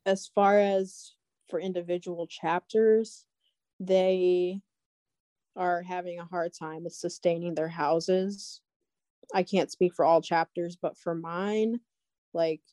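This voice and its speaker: A young woman giving anonymous interview answers, her voice disguised and pitched down to hide her identity, speaking slowly with fillers. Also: dark tone, dry recording. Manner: slow, measured, with fillers like "um" and "like".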